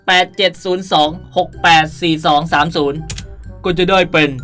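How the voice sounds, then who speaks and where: A gaming video host gives a casual game tutorial, reading out item codes in a playful, chatty way with cutesy sentence endings. Her voice is lowish, steady, and fairly bright at a moderate pace, with background music under it.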